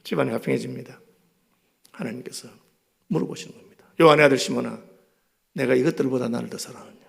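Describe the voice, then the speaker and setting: Revival preacher, male, Gyeongsang accent, gravelly voice, storytelling sermon with loud and hushed swings. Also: mid-range voice, fast. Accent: Gyeongsang Korean. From Gyeongsang, South Korea.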